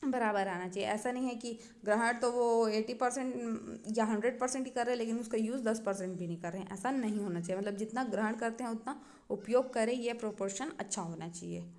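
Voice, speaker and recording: A woman teacher with a Chhattisgarh accent gives an exam-prep lecture in a fairly high voice. She explains patiently, step by step, and keeps checking that her class is following. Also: a little mellow. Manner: explains slowly, often checks with "है ना" and "ठीक है".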